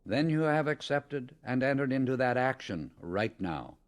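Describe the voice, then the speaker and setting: A man's voice: mid-range voice, big pitch swings, moderate pace. Man reading a spiritual audiobook, emphatic delivery. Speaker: audiobook narrator.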